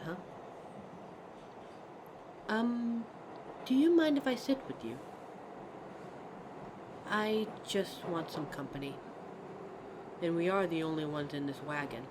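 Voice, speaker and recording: Woman acting as slow talking lady on a train, friendly stranger, kinda hesitant n lonely, thinks out loud, soft rumble of the ride behind. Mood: shy, tentative. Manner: hesitant, musing, reflective, trailing off. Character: chatty, overthinking, lonely female train passenger, friendly stranger. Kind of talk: scripted conversational ASMR roleplay monologue. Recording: vehicle noise behind voice. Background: train ambience sound effects.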